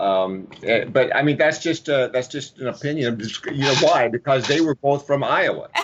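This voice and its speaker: There is noticeable background noise. A man speaks with a fairly high pitch. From US South (Tennessee, Arkansas, moved around). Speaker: script consultant and author, former actor. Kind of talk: casual interview chat. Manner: hesitant, many fillers.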